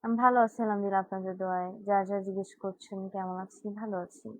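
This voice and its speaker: A woman's voice: medium pitch, level tone, very fast, low-quality recording. A teenage girl from Bangladesh hosting a live stream, chatting casually and answering viewer comments one by one. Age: teens.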